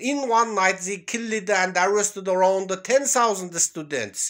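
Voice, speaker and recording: With a non-native accent, a man speaks at a fairly slow pace in a high pitch with ordinary pitch variation. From Xinjiang, China (Kazakh). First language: Kazakh. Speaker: human rights activist. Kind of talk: radio interview. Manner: halting.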